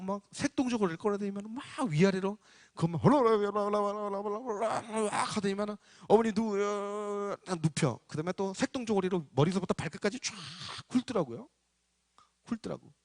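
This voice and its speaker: A man preaching in a church, telling a story with animated delivery and acting out voices. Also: medium pitch, dry recording. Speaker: pastor. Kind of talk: sermon.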